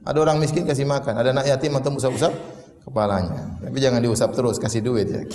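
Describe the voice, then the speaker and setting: A man's voice: medium pitch, quick pace, noisy background. A man preaching a sermon, telling humorous stories with acted quotes and rhetorical questions. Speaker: Islamic preacher. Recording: echoey hall with long reverb.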